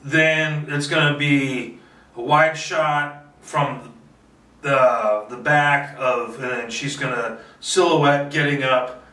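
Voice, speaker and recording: A man's voice: medium pitch, fairly even intonation, slow pace, pushed and bright. A man thinking aloud in a casual, rambling solo monologue, playfully boastful and talking to himself with some swearing. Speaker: filmmaker doing a solo table read. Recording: echoey room, distant microphone.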